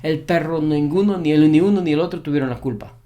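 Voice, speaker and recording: A man's voice: fairly high pitch, quick pace, warm tone. A man who trains dogs giving an advice monologue to camera, repeating his key points with emphasis. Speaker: dog behavior trainer.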